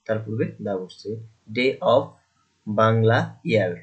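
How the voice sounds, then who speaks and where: A man's voice: fairly low pitch, measured pace. A man from Bangladesh, teaching a grammar lesson to students. He keeps asking questions and answering them himself, and he repeats the key points.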